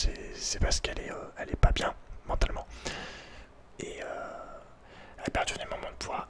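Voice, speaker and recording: A man telling a personal story in ASMR style, informal and hesitant, often searching for his words. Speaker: ASMR creator.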